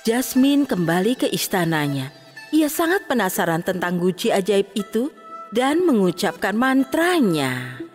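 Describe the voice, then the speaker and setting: A woman's voice: mid-range voice, sing-song, measured pace, faint music behind. A woman narrating a scripted children's fairy tale as the storyteller.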